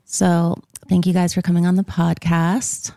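A young woman hosting a casual podcast, her voice low and mellow with a gravelly fry running through it. She chats in an upbeat, friendly way, and the recording is dry and close. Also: little pitch movement, a little slow, dry recording. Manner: chatty, upbeat. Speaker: podcast host. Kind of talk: casual interview chat.

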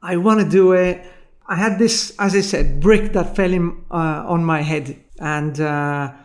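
A middle-aged man with an Italian accent, a founder telling his story as an interview guest in a measured, reflective way with frequent pauses. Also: on the high side. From Italy. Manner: measured and reflective, pauses often with filler sounds.

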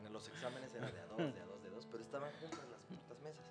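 A young man with a Mexican accent, at an ordinary mid pitch. He talks in a loose, profane, slang-heavy way, like a casual podcast chat. Music plays faintly under his voice. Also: animated, rapid-fire. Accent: Mexican Spanish.

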